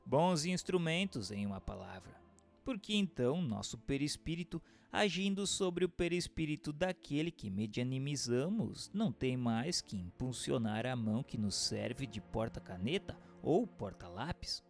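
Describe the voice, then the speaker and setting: In an audiobook dramatization, a Brazilian voice actor plays a learned spirit who lectures patiently through a scripted, didactic radio-drama monologue. His medium-pitched voice is solemn, eloquent, animated and creaky, swinging widely up and down on deliberate, emphatic phrases. Music plays beneath him.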